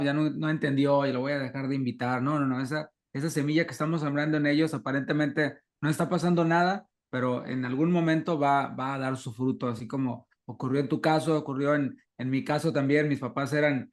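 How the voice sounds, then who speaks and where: Gravelly-voiced pastor reflecting. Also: male voice, mid-range voice. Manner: reflective, repeats words as he thinks. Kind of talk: pastoral conversation.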